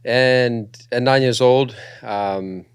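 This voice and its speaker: A man's voice: medium pitch, extremely slow, clean tone, dry recording, clean studio sound. A young man from South Africa with a South African accent, telling his story as a guest in a casual podcast interview, with lots of fillers. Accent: South African with New Zealand influence. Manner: relaxed storytelling with frequent fillers.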